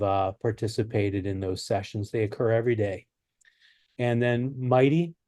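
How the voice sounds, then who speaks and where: Mellow-voiced male webinar host. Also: medium pitch, dry recording, studio quality. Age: middle-aged. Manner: conversational, with fillers and restarts.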